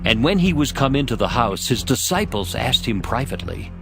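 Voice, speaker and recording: A man narrating scripture as a dramatized story, in a measured and expressive storytelling manner. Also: medium pitch. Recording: music behind the voice. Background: music.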